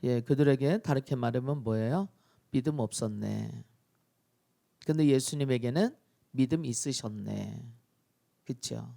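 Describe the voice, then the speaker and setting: A male pastor preaching a dawn-prayer sermon, telling the story in an animated way and acting out scenes. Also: medium pitch, measured pace, gravelly, pauses often.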